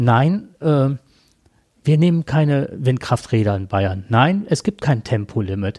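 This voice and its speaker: A man speaks at a fairly slow pace with very wide pitch swings, his voice dry and close with no echo. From Germany, Rhineland lignite mining area. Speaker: podcast co-host. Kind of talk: casual chat.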